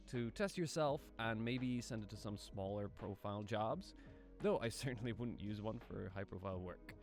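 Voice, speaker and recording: Narrating a laid-back explainer video, an aspiring male voice actor pokes fun at himself and tosses out rhetorical questions. His voice sits in the mid range.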